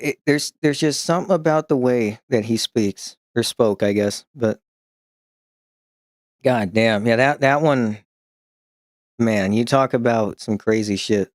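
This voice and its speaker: A man's voice: medium pitch, dry recording, studio quality. Rambling, profane streamer man. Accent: slight New York-style twang when excited. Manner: rambling, profane storytelling with frequent restarts; chuckles while telling stories. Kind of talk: casual stream chat.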